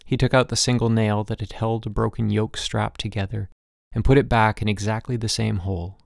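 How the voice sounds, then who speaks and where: A man narrating a literary short story as an audiobook, in a measured, reflective storytelling manner. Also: fairly low pitch, steady tone, gravelly, dry recording, studio quality.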